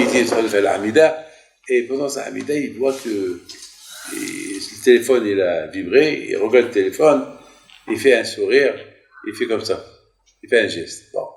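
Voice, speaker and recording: A man's voice: lowish voice, creaky, a little hiss or hum. A man in his sixties, a rabbi telling a story in a sermon, repeating phrases for emphasis in a yeshiva hall. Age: 60s. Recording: roomy echoing hall.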